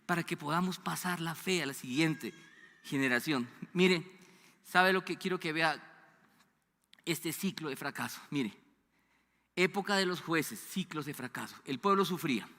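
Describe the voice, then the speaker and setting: In a church sanctuary full of long hall reverb, a Bogotá-accented Colombian pastor in his fifties preaches with animation, at a slightly slow pace. He questions the congregation and now and then sinks into a quiet, hushed voice.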